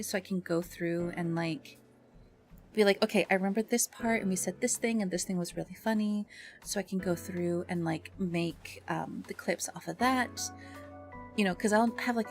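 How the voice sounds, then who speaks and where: A woman streamer talks casually to her viewers over background music. Her voice sits at an average pitch for a woman. She is expressive and bubbly, with an affectionate way of addressing people. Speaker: live streamer and ASMR content creator. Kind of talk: casual livestream chat with viewers, greeting them and reading messages.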